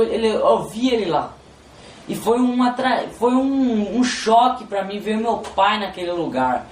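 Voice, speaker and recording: Brief: man, emotional religious testimony, halting and repetitive, roomy echo. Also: sits high. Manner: halting and repetitive, constantly addressing "Senhor". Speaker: testimony giver. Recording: roomy with faint background ambience.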